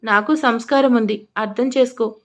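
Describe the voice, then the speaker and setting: Gentle young man, soothing and pleading, voiced by a female narrator. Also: fairly high pitch, fairly even intonation, normal speed, natural voice.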